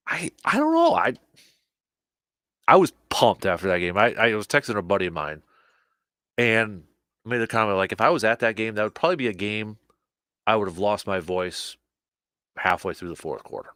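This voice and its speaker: A man with a low voice hosts a casual sports talk show, slightly hoarse and animated, often repeating himself as he restarts his sentences. The sound is dry and close. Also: dry recording.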